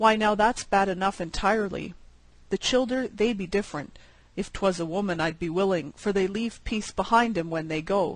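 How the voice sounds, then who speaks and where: A woman puts on a gruff character voice at a medium pitch and a moderate pace. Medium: read story. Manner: gruff, blunt.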